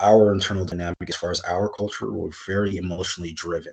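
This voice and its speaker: Speaking at a fairly quick pace, a man with an American accent sounds somewhat breathy, his intonation fairly even. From US Pacific Northwest (Kirkland, Washington), earlier Orange County, California. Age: 40s. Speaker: personal trainer. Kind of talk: podcast interview. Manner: measured cadence; many fillers and restarts.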